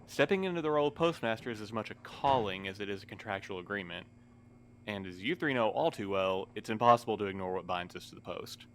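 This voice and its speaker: A man's voice: on the low side, expressive, quick pace, slight background noise, lightly acted. A man playing a formal, weary, wry postmaster in an audio drama, speaking in precise, wordy sentences. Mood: resigned, explanatory. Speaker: voice actor in a fiction podcast. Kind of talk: scripted audio drama acting.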